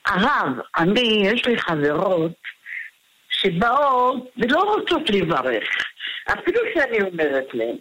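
A woman calling into a radio show to ask the rabbi a question, speaking haltingly in short bursts. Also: mid-range voice, big pitch swings, a bit bright, husky, low-quality recording. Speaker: caller.

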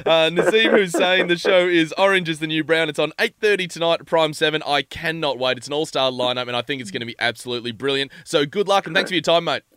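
A man hosts a radio show, tossing out jokes and enthusiastic banter. His voice sits a little high for a man. The sound is close and dry from a studio mic. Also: fast, few pauses, a bit bright, clear, resonant tone, no echo. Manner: enthusiastic, jokey. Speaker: radio host.

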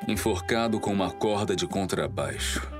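A serious 1940s Brazilian detective for a noir audio drama. The voice is low and matter-of-fact, set over faint music. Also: male voice, lively intonation, moderate pace. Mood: somber. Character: serious, observant 1940s police detective partner.

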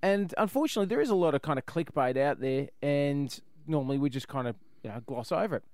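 A man's voice: fairly high pitch, expressive, fast talker, a little mellow, no room sound, clean studio sound. An Australian man hosting a radio show with casual, irreverent comedy banter and a jokey, rambling way of talking.

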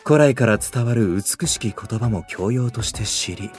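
A man's voice: lowish voice, unhurried, a little mellow, close to an everyday voice. A man playing a young idol in a voice drama who speaks in formal, archaic, literary Japanese. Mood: refined, instructive. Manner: formal, old-fashioned, scholarly wording. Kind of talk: anime-style voice drama acting. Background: music.

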